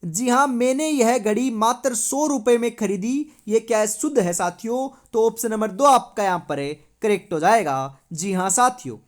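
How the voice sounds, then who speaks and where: A woman from India leads an exam-prep lesson in a fairly high voice. She reads each question and its options aloud. She confirms every answer with the same stock phrases. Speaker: teacher.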